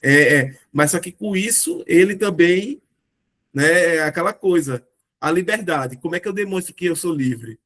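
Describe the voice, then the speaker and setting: A man's voice: fairly high pitch, animated, normal speed, a bit bright. A Brazilian man hosting a casual philosophy discussion, explaining ideas with rhetorical questions and frequent tag questions. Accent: Brazilian Portuguese. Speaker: discussion group host.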